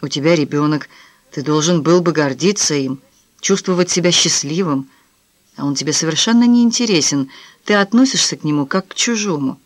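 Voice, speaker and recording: A woman's voice: deep voice, a little fast, no room sound, natural voice. A woman voicing a hurt, earnest young wife who speaks in a pleading, reproachful way in an audiobook.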